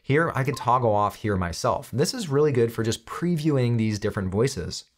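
Man, thirties, tutorial host, mid-range pitch, instructional, step-by-step explanations, close mic. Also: animated, normal speed. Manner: clear instructional explaining, addressing the viewer.

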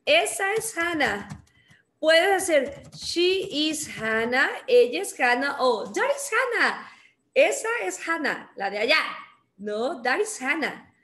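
A woman with a Mexican accent teaching beginner English, explaining in Spanish and slowly modeling English phrases with translations. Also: sits high, sing-song, fairly bright tone.

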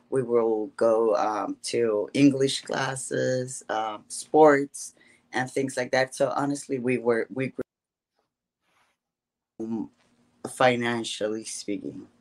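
Slow, hesitant Guatemalan woman. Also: very deep voice, a little mellow. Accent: Guatemalan Spanish. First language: Spanish. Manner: halting, hesitant, many fillers. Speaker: guest. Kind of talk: casual interview answers. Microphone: video call.

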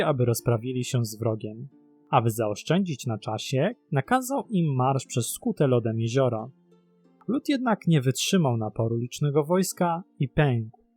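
A man's voice: mid-range voice, a little mellow, husky. A man narrating a scripted documentary about mysteries in a dramatic storytelling manner. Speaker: narrator of a mystery web series.

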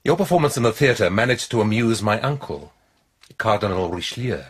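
Radio play villain: aristocratic count, very husky, swooping intonation, condescending and dangerous. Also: male voice, on the low side, lively intonation, a little fast. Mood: condescending, persuasive. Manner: condescending, silkily threatening. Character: haughty, menacing aristocratic count, powerful patron and villain. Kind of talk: theatrical radio drama acting.

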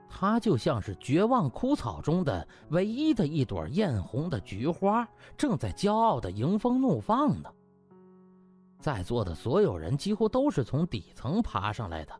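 A man's voice: fairly high pitch, a little mellow, slightly rough. A man narrating a comic novel as an audiobook, with a theatrical, dramatic storytelling delivery.

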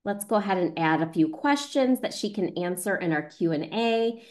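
A woman's voice: mid-range voice, animated, moderate pace, a little mellow. A woman casually hosting a video call in a reassuring, encouraging way. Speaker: online event host.

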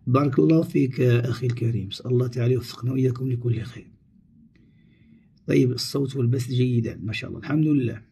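A man's voice: mid-range voice, very fast, vocal fry, dark tone, husky. A man with a Moroccan Arabic accent, answering viewers' questions on a live stream and reading them aloud with frequent pious phrases.

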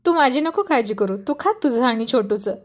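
A woman's voice: a little high, sing-song, normal speed. A woman doing a teasing young husband. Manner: affectionate, teasing. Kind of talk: storybook reading.

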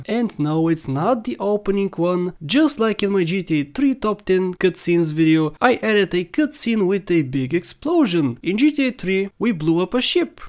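A video host delivering scripted commentary for a countdown. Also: medium pitch.

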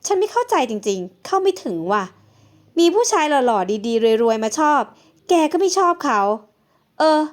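A woman's voice: fairly high pitch, big pitch swings, a little slow. A woman doing a blunt, teasing girlfriend. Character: blunt, outspoken young woman friend.

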